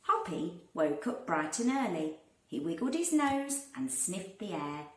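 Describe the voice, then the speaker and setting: A woman narrates a children's storybook in an expressive, deliberate manner. Her pitch moves up and down a lot and her pace is slow. She is a little away from the microphone in a reverberant room. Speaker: primary school teacher reading aloud. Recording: roomy, distant microphone.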